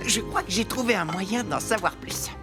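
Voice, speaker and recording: A clever young inventor from a children's cartoon, voiced by a woman, precise and eager to explain. Music plays quietly behind. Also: mid-range voice, moderate pace, lightly acted. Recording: music under the voice.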